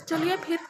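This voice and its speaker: A woman's voice: extremely high pitch, a little hiss or hum. A young woman chatting casually in a home vlog, laughing often as she talks, recorded indoors on a phone. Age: young adult. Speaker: vlogger.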